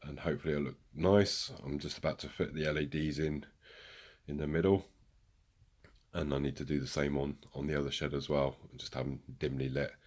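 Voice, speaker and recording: A man's voice: very deep voice, fairly even intonation, fairly quick, a little mellow. A man casually talking through progress on his model railway, chatty and joking at his own expense, recorded in a hobby room on a camera mic. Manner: chatty, self-joking, rambling asides.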